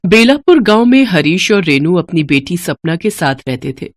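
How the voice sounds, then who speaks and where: A woman's voice: lowish voice, sing-song, moderate pace, background noise. A woman narrating a scripted family story as a storyteller in Hindi.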